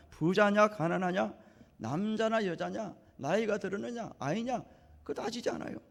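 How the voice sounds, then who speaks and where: Animated high-pitched male preacher. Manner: animated preaching, acting out biblical dialogue with rising emphasis. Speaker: pastor. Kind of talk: sermon. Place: church sanctuary. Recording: long church hall reverb.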